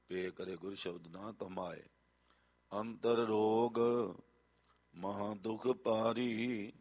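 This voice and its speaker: A man reciting scripture in a slow, measured chant with a melodic lilt, sometimes repeating lines. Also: low voice.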